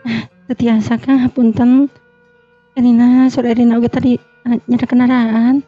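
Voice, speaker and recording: A man voicing a coy, slightly petulant young married woman with a Sundanese accent and drawn-out delivery. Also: very high voice, flat delivery, no echo, voice pushed up. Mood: apologetic. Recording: muffled recording with music underneath.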